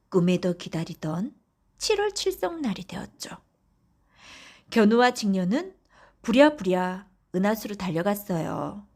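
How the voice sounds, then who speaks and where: A woman narrating folk tales for bedtime in a soft, often whispery, gentle voice. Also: mid-range voice. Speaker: audiobook narrator.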